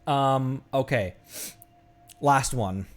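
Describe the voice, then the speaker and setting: A man's voice: medium pitch, extremely slow. Tired, self-mocking male streamer. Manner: self-deprecating, laughs often. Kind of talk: casual live-stream chat.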